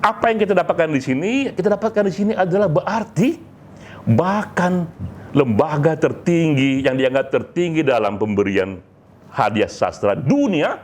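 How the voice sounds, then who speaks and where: A man giving an informal, emphatic monologue to a community, with deliberate pauses and small tag words. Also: a little high, animated, a little mellow. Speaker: speaker, leader of a poetry community.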